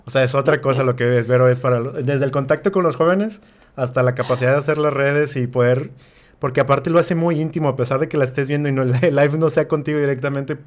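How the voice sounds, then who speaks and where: A man's voice: mid-range voice, fairly even intonation, fast. A man co-hosting a podcast, thoughtful and a bit hesitant as he speaks. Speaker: podcast co-host. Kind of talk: casual podcast interview.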